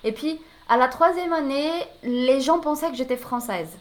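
A Brazilian woman, a native Portuguese speaker, chatting as a podcast guest in French with a Brazilian accent, expressive, with frequent restarts. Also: high voice, moderate pace. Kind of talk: casual conversation.

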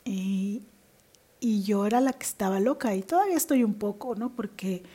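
A woman's voice: mid-range voice, moderate pace, warm tone, slightly rough. A woman with a Mexican Spanish accent hosting a podcast as an executive coach, talking in a chatty, confessional way and laughing often. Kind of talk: casual podcast monologue.

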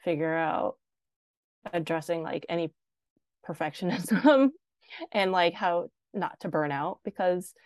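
A young woman with a low voice and a gravelly, fry-laden edge, talking casually as a podcast guest. She fills her sentences with "like" in a relaxed, chatty way. The sound is dry and close. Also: takes it slowly, pauses often, no echo. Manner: chatty, heavy use of "like". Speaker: guest designer. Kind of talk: casual interview chat.

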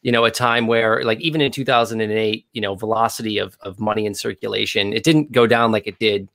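A man's voice: lowish voice, fairly even intonation, brisk, creaky, fairly bright tone, dry recording. A man hosting a podcast, asking his guests loose, rambling questions packed with "you know" and "right?". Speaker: podcast host. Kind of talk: casual chat.

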